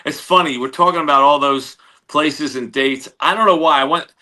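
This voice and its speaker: An older man, a guest comedian trading quick, jokey stories in casual chat. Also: fairly high pitch. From Philadelphia, United States. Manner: quick, lively storyteller, jokey.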